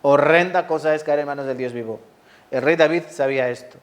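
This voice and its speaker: Guy preaching, kinda high voice, keeps asking the crowd questions. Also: a little fast. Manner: lively, asks the audience rhetorical questions, acts out quotes. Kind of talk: sermon.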